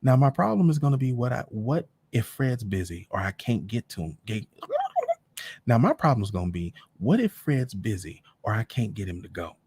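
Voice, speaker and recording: A man reading a story, voicing a gossipy, flirtatious woman friend who rambles excitedly in a very high voice. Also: normal speed, slightly rough, exaggerated voice.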